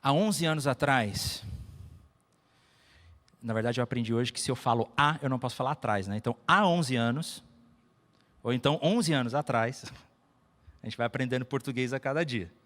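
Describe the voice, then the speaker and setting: A man's voice: medium pitch, moderate pace, long pauses, a bit bright. A Brazilian man preaching a sermon with personal stories, emphatic and repeating phrases for effect. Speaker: pastor. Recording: echoey hall with long reverb.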